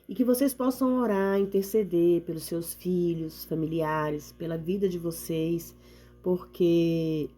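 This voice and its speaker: A hoarse woman, giving an earnest devotional talk and reading the Bible aloud. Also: fairly low pitch, warm tone. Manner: earnest, repetitive exhortation with tag questions. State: hoarse from a cold. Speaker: lay preacher.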